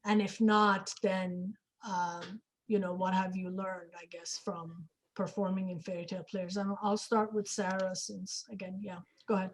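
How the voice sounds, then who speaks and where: A woman hosting a casual interview, framing her questions in a measured way with pauses. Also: medium pitch, little pitch movement, poor audio. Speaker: interviewer, panel host.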